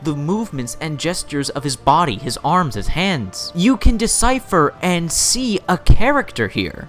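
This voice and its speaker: A man's voice: a little high, fairly bright tone. A man hosting a video essay on games, speaking emphatically and informally, stacking up words and repeating phrases to drive opinions home. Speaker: video host.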